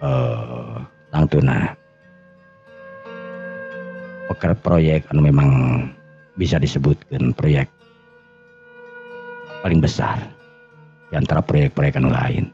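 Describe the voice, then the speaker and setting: A man playing a busy company boss on a business call, very low in pitch, with a Sundanese accent. He is measured and businesslike, pausing to find his words in a told story. The sound is dull, with faint music beneath. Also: creaky, mellow, exaggerated voice. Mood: calm, businesslike. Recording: dull lo-fi audio under music.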